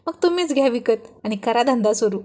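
A woman's voice: on the high side, expressive, fairly quick, darkish tone, lightly acted. A woman reading a storybook, voicing a pregnant young wife who protests and scolds sharply. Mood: scolding.

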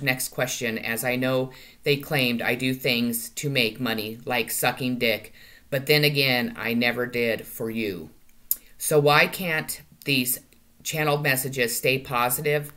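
A woman's voice: rumbling low, pushed and bright. A middle-aged woman speaking to camera in a monologue, occasionally stumbling and correcting herself, recorded on a webcam in a small room at home. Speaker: vlogger. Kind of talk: monologue to camera, delivering claimed channeled messages.

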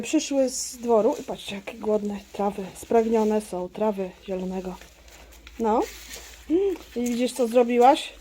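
A woman's voice: medium pitch, mellow, slight background noise. A woman vlogging outdoors on her farm, chatting to her goats and to her viewers. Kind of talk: casual vlog chat.

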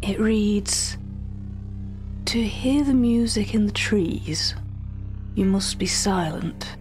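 A woman's voice: medium pitch, close to an everyday voice. Woman playing a meticulous, eerie curator, music behind. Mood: entranced, hushed. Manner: formal, measured, hushed at times. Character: meticulous, eerie auction-house curator describing strange artworks. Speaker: voice actor in a fiction podcast. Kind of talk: scripted dramatic narration, dictated catalogue entries.

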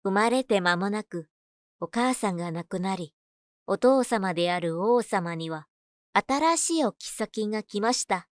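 A woman's voice: mid-range voice, lively intonation, a little slow, dry recording, studio quality. A woman reading scripted audiobook narration as a voice-over narrator.

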